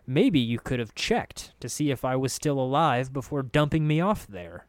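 A man's voice: medium pitch, expressive, normal speed, darkish tone, no room sound, close to an everyday voice. Man acting a weary, grumbling fantasy hero, dry sound. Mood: irritated. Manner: growling, frustrated. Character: weary, gruff, grumbling male fantasy protagonist.

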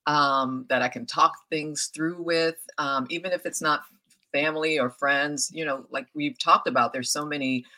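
A woman's voice: deep voice, fairly even intonation, normal speed, pushed and bright. A woman, an actress and founder, answering interview questions in a chatty way with many hesitations. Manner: chatty, many ums, laughs easily.

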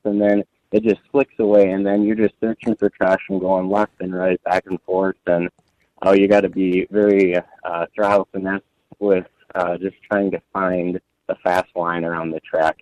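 A laid-back man answering interview questions over a phone line, pausing often with fillers as he talks about racing. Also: low voice, dry recording. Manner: laid-back, many "uh" fillers and trailing sentences. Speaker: off-road buggy racer guest.

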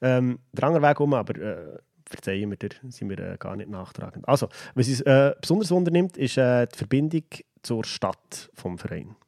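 A man's voice: mid-range voice, lively intonation, fairly quick, vocal fry, a little mellow, no room sound. A man with a Swiss German accent hosting a podcast in an informal, hesitant, lightly joking way. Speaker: podcast host. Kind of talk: casual podcast moderation.

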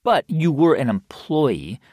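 A man's voice: a little high, very animated, takes it slowly, a little mellow, no room sound, clean studio sound. A man hosting an interview, recapping the guest's story and asking curious follow-up questions. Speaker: interview host. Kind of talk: conversational interview.

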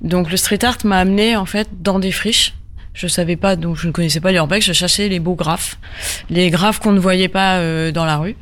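A woman from Normandy answers questions as a guest on a radio interview. She talks in a halting way, full of fillers and restarts, as she feels her way through each thought. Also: on the low side, fairly even intonation. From Normandy, France. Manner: hesitant, many fillers and restarts. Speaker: guest photographer.

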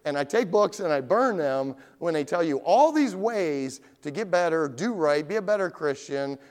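A middle-aged man preaching an evening sermon in a conversational, animated way, putting question after question to his congregation. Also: on the high side, moderate pace. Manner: asks the congregation direct questions. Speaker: pastor.

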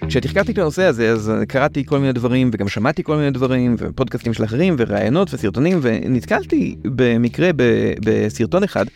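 With an Israeli accent and a creaky, mid-range voice, a man hosts a science explainer show, speaking animatedly with few pauses. He keeps it conversational with playful questions and asides while music plays in the background.

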